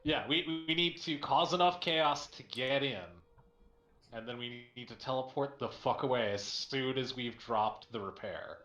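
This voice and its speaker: A man playing in an online tabletop game, talking quickly and casually about rules and plans. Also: medium pitch, pushed and bright. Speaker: player. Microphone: computer mic on a voice call. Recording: echoey room, faint keyboard noise.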